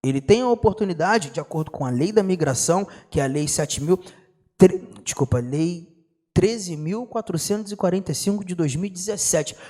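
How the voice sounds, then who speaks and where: A young adult man with a Brazilian Portuguese accent giving an exam-prep law lecture, slangy and animated, constantly asking students rhetorical questions. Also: sits high, moderate pace. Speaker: law teacher.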